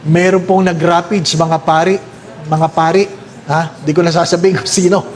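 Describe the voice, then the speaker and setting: A Filipino priest giving a Catholic talk with jokes, telling stories in an animated way and putting on high-pitched voices for his characters. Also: moderate pace, a little hiss or hum.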